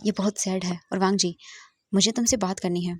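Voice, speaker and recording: A woman's voice: medium pitch, steady tone, brisk, a little mellow, breathy edge, no echo, clean studio sound, natural voice. A woman voicing a worried young man who urgently soothes and looks out for his friend, in a storybook reading.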